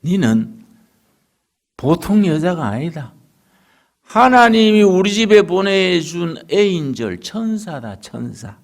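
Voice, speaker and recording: A doting elderly mother-in-law speaks softly and fondly, as a preaching man puts her on. The voice stays low with lively rises and falls, told at a slow pace.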